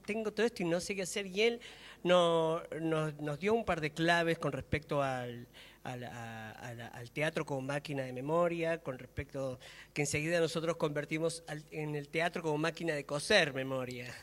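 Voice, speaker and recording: An actor and theatre maker with an Argentine accent speaks in a reflective public conversation about theatre, hesitating and searching for words as he thinks aloud. His voice is fairly high and fairly bright at a normal speed, and the hall around him is reverberant.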